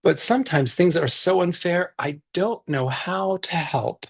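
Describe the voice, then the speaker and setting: A man, a children's author, reading his picture book aloud in a lively, expressive way over a video call. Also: high-pitched, measured pace, creaky, breathy edge.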